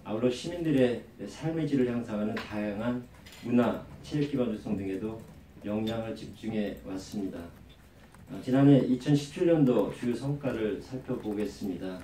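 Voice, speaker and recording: Low, mellow man with a cold, formal briefing. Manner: formal, measured, official phrasing. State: has a lingering cold. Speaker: government official, city bureau director. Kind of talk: formal press briefing, reading a work plan. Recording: roomy distant microphone, faint background noise.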